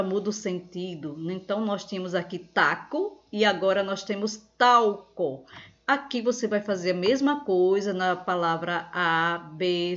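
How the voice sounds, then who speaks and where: A Brazilian woman teaches young children in a slow, patient voice, checking often that they follow. Her voice sits in a middle range. The home recording is dull and lo-fi. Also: mid-range voice. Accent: Brazilian Portuguese. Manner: slow, patient, repeats each step with "certo?". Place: at home, phone nearby.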